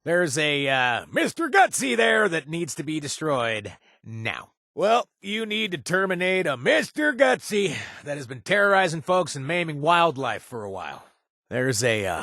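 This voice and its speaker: A wisecracking laid-back mercenary. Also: male voice, mid-range voice, fairly bright tone, dry recording, studio quality. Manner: casual, joking, with filler "uh"s. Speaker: quest-giving companion. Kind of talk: video game voice acting. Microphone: dry studio recording.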